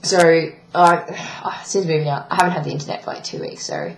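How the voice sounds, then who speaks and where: A young trans man with a croaky, breaking voice, giving a rambling video diary update with many ums. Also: a little high, wildly swooping pitch, normal speed, reverberant, background noise. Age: young adult. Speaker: vlogger. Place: small bedroom indoors. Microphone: webcam at desk.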